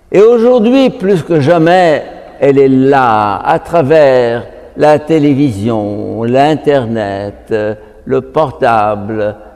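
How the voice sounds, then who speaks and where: A man with a medium pitch and lively intonation speaks at a very slow pace against noticeable background noise. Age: 80s+. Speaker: Jesuit priest. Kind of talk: sermon. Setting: church.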